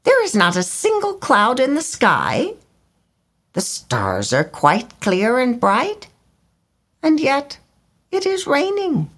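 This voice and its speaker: A woman's voice: sits high, huge pitch swings, slow, pauses often, a bit bright, husky, pitched above the performer's own voice, exaggerated voice. A woman voicing a vain, fussy little male swallow in a storybook reading, talking in a chirpy, self-important way. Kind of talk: storybook character voice.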